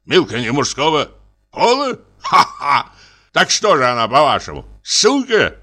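A man's voice: fairly high pitch, wildly swooping pitch, a little slow, sharp tone, voice pushed up, full character voice. Man playing a boastful tipsy army lieutenant. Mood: boasting. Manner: boisterous, wheedling, exclamatory. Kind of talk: audiobook character reading.

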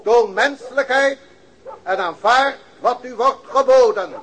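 Radio drama police chief: stern, self-important, formal, with a high, husky voice. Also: male voice, a little slow, fairly bright tone, heavily acted. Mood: solemn, commanding. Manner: formal, authoritative, declaiming. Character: pompous, stern male police chief commissioner.

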